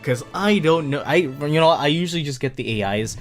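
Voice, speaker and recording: A man's voice: on the high side, animated, fairly quick. A man casually commenting on his own mobile game play, rambling and self-mocking with frequent laughs. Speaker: gaming YouTuber. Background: faint game music.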